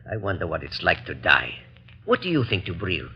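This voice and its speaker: An actor playing a mocking, fearless concert pianist in a 1930s radio drama, on a dull old broadcast recording. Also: male voice, sits low, wildly swooping pitch, normal speed, slight background noise, heavily acted. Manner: mocking, sardonic.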